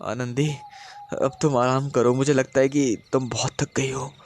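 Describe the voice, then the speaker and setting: A man's voice: mid-range voice, level tone, moderate pace, a little mellow, a little hiss or hum, natural voice. A man voicing an irritated young husband who scolds and insists. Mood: subdued.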